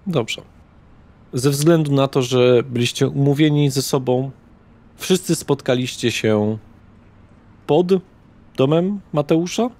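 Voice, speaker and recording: A man narrating a tabletop horror roleplaying game as game master, in a deliberate manner with dramatic pauses. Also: mid-range voice, darkish tone. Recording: background guitar music.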